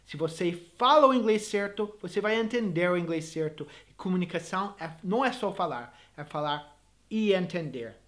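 A man's voice: high-pitched, animated, normal speed, a bit bright. A man who teaches English, giving earnest, encouraging advice to viewers in a video lesson, with frequent restarts and small grammar slips as he speaks Portuguese as a learner.

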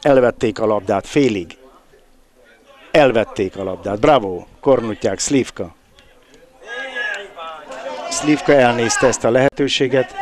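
This is live football commentary from a man whose mid-range voice is gravelly and creaky. His delivery is thrilled and full of exclamations, his cries drawn out as the play unfolds.

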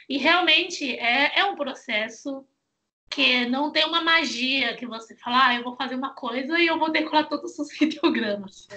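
A woman's voice: high-pitched, moderate pace, sharp tone. A young woman hosting a casual video-call interview as a language teacher, chatty and laughing often, on a headset mic. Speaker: Chinese teacher and host. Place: small room at home, indoors.

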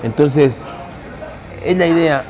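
A Mexican-accented taquería owner in his forties talks slowly through his restaurant's story, seated for a camera interview in the busy dining room indoors. His pitch is fairly high and his delivery easy, though he restarts hesitantly at times. The recording is rough, and music plays under his voice.

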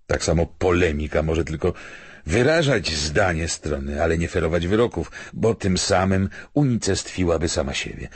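A man voicing a reflective, measured stranger who argues thoughtfully in an audiobook. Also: sits low, creaky, husky, dry recording, full character voice. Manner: thoughtful, hesitant, argumentative. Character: reflective, measured male stranger debating philosophy.

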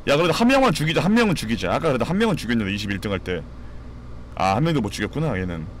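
Male game streamer, lively swings from muttered repeats to exclamations, casual and playful with viewers, slight game noise behind. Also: medium pitch, rapid-fire. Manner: mutters repeated short phrases, bursts into exclamations. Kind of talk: live battle royale game commentary.

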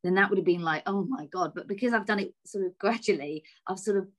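A woman speaks in a thoughtful, hesitant way, stopping to rephrase as she goes. Her voice sits at a middle pitch for a woman and comes through a laptop on a video call. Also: fast. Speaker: soap actress. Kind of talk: casual interview chat.

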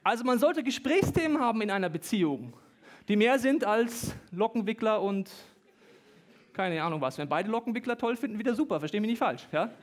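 A high-voiced young man gives a sermon as a pastor, with quick jokes and an animated, playful delivery. He sometimes rushes ahead faster than his thoughts. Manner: lively, joking, talks fast at times.

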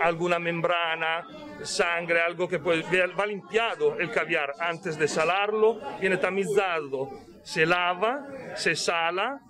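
A man speaks through a face mask, his voice sitting high for a man. He explains patiently and in detail, pausing to make sure he is followed. Loud crowd chatter from a busy shop fills the background. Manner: explanatory, checks in with "¿ok?". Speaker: caviar company representative. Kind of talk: explaining products at a tasting interview. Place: busy fish shop indoors.

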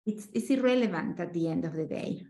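A woman's voice: lowish voice, fairly quick. A woman in her forties, a dating coach hosting, talking animatedly on a video call. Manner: animated, gestures widely. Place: room with a painting, indoors. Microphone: video call webcam. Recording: echoey room.

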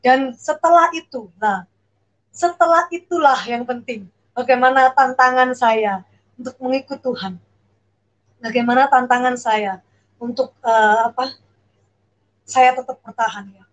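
A middle-aged woman telling her conversion story in an earnest, emotional, halting way with many fillers. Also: high-pitched, lo-fi sound. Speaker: testimony guest. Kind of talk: personal conversion testimony.

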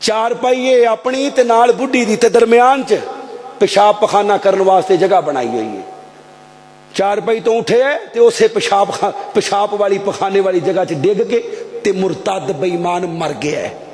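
A man in his thirties with a Punjabi accent, preaching an impassioned sermon into a close mic, often shouting and calling on the crowd to answer. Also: high voice, measured pace, a little hiss or hum. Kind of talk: fiery sermon. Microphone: stand mic close up.

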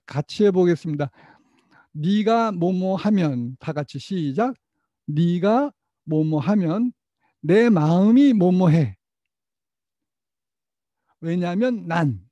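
A man's voice: on the high side, warm tone, no echo, muffled recording. A middle-aged man giving a lecture to teachers. He asks questions and answers them himself, leads the group in repeating phrases, and chuckles often. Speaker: teacher trainer.

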